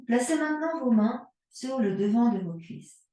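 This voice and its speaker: A woman yoga instructor calmly cueing breath and movements, leading a guided yoga and strengthening class. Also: on the high side, moderate pace, distant mic. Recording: echoey room, voice from away from the mic.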